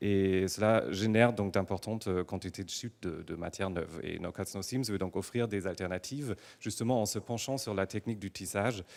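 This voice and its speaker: On a very clean recording with a silent background, a man speaks at a moderate pace in a fairly low voice with fairly even intonation. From Germany, Berlin. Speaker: doctoral student, textile designer. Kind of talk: reading prepared speech. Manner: hesitant, many fillers.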